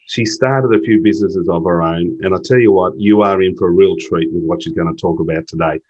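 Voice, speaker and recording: A man's voice: low-pitched, a little fast, a little mellow, lo-fi sound. A man hosting an interview show over a video call, chatty and jokey with an upbeat, enthusiastic manner. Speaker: podcast host. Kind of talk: casual interview chat.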